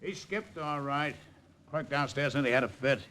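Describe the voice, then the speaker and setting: An actor playing a streetwise, slangy private detective in a 1940s radio drama. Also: male voice, mid-range voice, normal speed, pushed and bright, natural voice. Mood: wisecracking. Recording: noisy old radio transcription.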